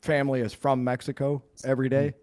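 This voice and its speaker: A man's voice: medium pitch, little pitch movement, fast talker, darkish tone. A man co-hosting a casual live podcast, easygoing and chatty. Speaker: podcast co-host.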